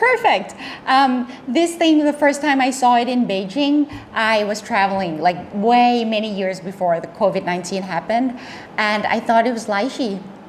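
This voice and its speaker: Someone with a Thai accent speaks at a moderate pace with lively intonation amid noticeable background noise. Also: woman, fairly high pitch for a woman. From Thailand. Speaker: video host. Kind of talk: casual chat.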